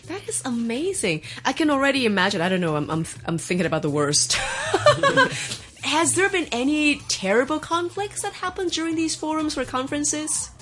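A woman's voice: high voice, sing-song, normal speed, background noise. A woman hosting a studio talk show who introduces her student guests and reacts to them with bubbly enthusiasm.

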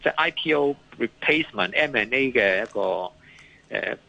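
A man's voice: medium pitch, animated, normal speed, vocal fry, sharp tone, muffled recording. A man with a Hong Kong accent giving live market commentary as a guest analyst, hesitating, repeating phrases and mixing in English terms.

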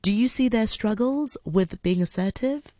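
A man's voice: sits high, normal speed, dark tone, dry recording, studio quality. A man interviewing a guest, thoughtful and hesitant, often restarting and saying "sort of". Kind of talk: interview questions and comments.

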